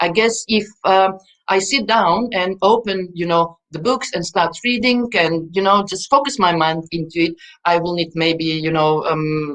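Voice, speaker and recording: A woman speaks with a Macedonian accent at a fairly slow pace. Her pitch is fairly low, with ordinary variation. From North Macedonia. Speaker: psychologist. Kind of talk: interview. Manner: halting, many fillers.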